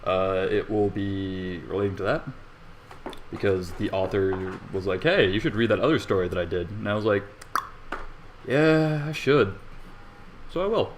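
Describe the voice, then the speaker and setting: A man's voice: fairly low pitch, moderate pace, long pauses, a little hiss or hum. A young man reading fan fiction casually as an amateur narrator, with rambling, self-deprecating asides and swearing. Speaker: amateur story reader. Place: bedroom at home.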